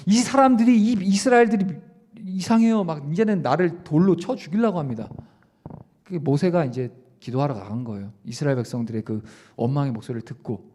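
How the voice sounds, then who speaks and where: A young man, a youth pastor, preaching a sermon at a youth service. He puts questions straight to his listeners and swings between raised emphasis and quiet asides. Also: mid-range voice, fairly quick. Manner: addresses listeners directly with questions. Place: church service.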